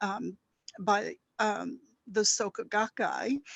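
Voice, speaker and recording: A woman's fairly high voice comes through with a dry, close sound and no echo. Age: 70s. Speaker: Buddhist practitioner, interfaith panel speaker. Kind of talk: personal talk at virtual interfaith panel. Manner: halting, many fillers; slow.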